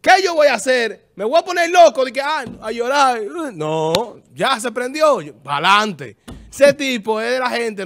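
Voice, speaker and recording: This is a man hosting a chatty TV program. His voice sits high for a man. He talks emphatically, hammering and repeating his points about staying positive. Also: fairly bright tone. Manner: emphatic, repeats words, preachy about optimism. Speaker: TV show host. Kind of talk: casual studio banter on a TV show.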